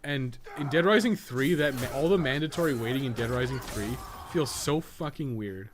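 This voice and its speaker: A man's voice: medium pitch, lively intonation, moderate pace. A man giving casual livestream commentary on a game, rambling and thinking aloud with blunt opinions and swearing. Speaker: game streamer and guide maker. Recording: clearly noisy background.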